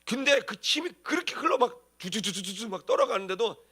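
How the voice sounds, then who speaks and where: A man's voice: high voice, expressive, brisk, pushed and bright, husky. A man preaching as a pastor, telling stories in a colloquial, dramatic way with acted-out emphasis. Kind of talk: animated sermon with storytelling.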